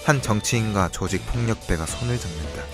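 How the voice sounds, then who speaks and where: Man as cool young schemer in radio mystery. Lowish voice, measured and cryptic, music behind. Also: lively intonation. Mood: grave, explaining. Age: young adult. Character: cool, calculating young man revealing a crime's secrets. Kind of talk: audio drama acting, expository dialogue.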